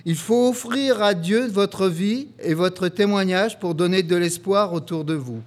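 A man's voice: sits high, unhurried. A man preaching a church sermon and reading scripture passages aloud. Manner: earnest, reads scripture aloud steadily.

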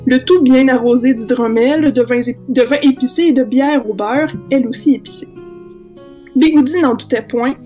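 Québécois woman, high voice, comic storyteller, faint guitar under. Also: moderate pace. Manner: lively comic storytelling with long lists. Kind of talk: comic parody story reading.

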